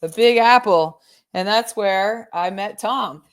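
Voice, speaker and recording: Middle-aged American woman, live chat guest, mid-pitched voice, breezy and informal, prone to giggling. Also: slow pace. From eastern United States. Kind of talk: casual chat.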